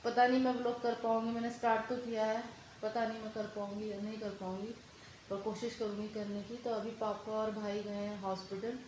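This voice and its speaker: Young woman, hoarse and run-down, flat dark delivery, faint room hiss, homey vlog talk. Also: fairly high pitch, poor audio. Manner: tired, halting, apologizing for her voice. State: hoarse from a sore throat and fever. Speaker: family vlogger. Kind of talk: casual vlog narration while doing housework.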